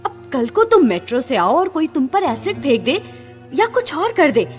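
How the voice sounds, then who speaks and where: Stern, high-voiced school principal. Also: female voice, very animated, moderate pace, soft background music. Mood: stern, reproachful. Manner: scolding, haughty. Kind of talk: Hindi radio play acting.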